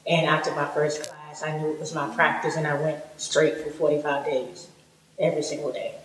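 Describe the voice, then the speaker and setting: A woman in her thirties telling an interviewer a lively, reflective story about how she found yoga. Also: low voice, normal speed. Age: 30s. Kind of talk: documentary interview. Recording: echoey hall from a distance.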